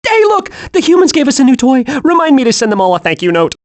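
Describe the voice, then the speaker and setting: Hyperactive young male squirrel, game animation: very high, swooping, wide-eyed and childlike. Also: fast talker, full character voice. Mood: cheerful, naive. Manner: excitable, naive, wide-eyed. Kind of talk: animated video game voice acting.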